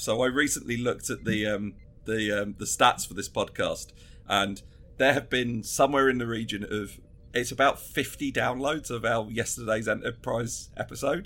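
Music sits in the background as a man speaks at a medium pitch and moderate pace. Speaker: podcast co-host. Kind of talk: casual chat, comedy podcast.

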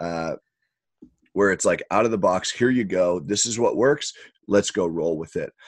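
Here is a man with a normal speaking voice and a fairly low pitch at a moderate pace. The recording is very clean, with a silent background and a dry, close sound with no echo. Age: 20s. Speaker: entrepreneur and performance coach. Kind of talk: casual interview chat. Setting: podcast interview.

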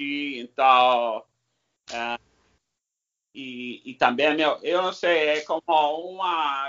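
Speaking very slowly with an American accent, a man keeps a fairly even intonation at a fairly high pitch. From California. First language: English (speaking Portuguese). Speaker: high school Spanish teacher, language learner. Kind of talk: language lesson conversation. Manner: halting, many fillers.

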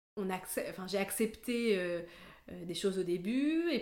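Against noticeable background noise, a woman with a medium pitch speaks with lively intonation. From France, near Grenoble. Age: 20s. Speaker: podcast guest sharing personal story. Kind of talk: casual interview testimony. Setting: at the host's home. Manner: hesitant, many fillers.

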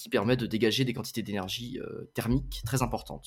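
The recording is very clean, with a silent background. A man speaks at a moderate pace and a medium pitch. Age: 20s. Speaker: nuclear energy engineer. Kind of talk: interview. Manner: halting, many hesitations.

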